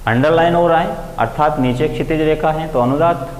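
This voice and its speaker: A male grammar teacher lecturing step by step, lifting his voice on key terms. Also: a little fast. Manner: explains step by step, raising pitch to stress key terms. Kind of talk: classroom lecture. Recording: echoey room with long reverb, faint ambient noise.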